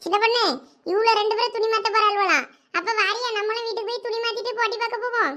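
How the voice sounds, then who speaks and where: A woman speaks in a very high, bright voice with a thick Thoothukudi Tamil accent. She voices cartoon village women who bicker and tease each other in quick local slang. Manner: scolding, lively village banter. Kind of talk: cartoon voice acting.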